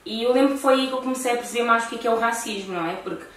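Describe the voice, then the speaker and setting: A woman's voice: on the high side, racing. A woman with a European Portuguese accent chatting casually with a friend as a talk show host. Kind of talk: casual conversation between friends. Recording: very echoey room, distant mic.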